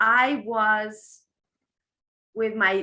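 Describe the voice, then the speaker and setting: A woman's fairly high voice with a bright, sharp tone. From Moldova. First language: Romanian. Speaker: banker and investor. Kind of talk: podcast interview.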